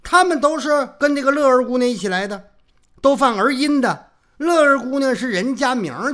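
A male storyteller narrating a traditional martial-arts tale in colloquial, joking style. His voice is bright and sharp, with very lively pitch swings. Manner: animated, colloquial, joking asides.

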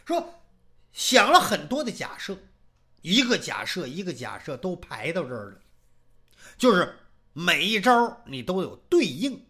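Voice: medium pitch, wildly swooping pitch, measured pace, pauses often, pushed and bright. A traditional storyteller, performing animatedly and asking the listeners rhetorical questions.

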